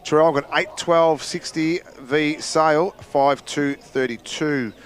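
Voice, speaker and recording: A man with an Australian accent giving casual football analysis and reading out scores, chatty and quick to laugh at his own slips. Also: a little high, fairly even intonation. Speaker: expert commentator. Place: outdoor football ground.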